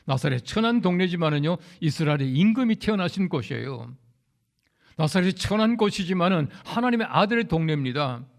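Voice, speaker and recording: In his storytelling sermon, this pastor shares anecdotes with dramatized quotes and talks directly to the people in front of him. His voice is a little high and gravelly, and he speaks animatedly at a fairly quick clip.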